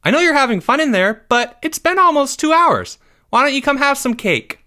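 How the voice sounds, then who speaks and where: A man voicing a cheerful, oblivious suburban mother in a loud, clear falsetto for a story. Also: very animated, normal speed, heavily acted. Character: cheerful, oblivious middle-aged suburban mom.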